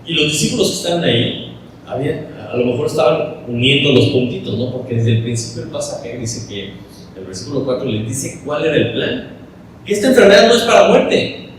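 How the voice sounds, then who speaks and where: A male pastor with a Mexican accent teaches in an easy, conversational style, asking his listeners question after question. His voice is mid-pitched and picked up from a distance in a very echoey hall, with a faint rumble in the background. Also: brisk. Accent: Mexican Spanish. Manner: conversational, asks many questions. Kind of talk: sermon, Bible study.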